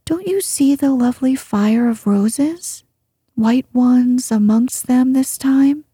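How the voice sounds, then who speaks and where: An earnest young princess girl speaks in a raised, breathy whisper, as a woman reader puts her on. The voice is hushed and husky, unhurried and mellow in tone, with a close, dry sound. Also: sits high, dry recording, pitched above the performer's own voice, exaggerated voice. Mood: bewildered.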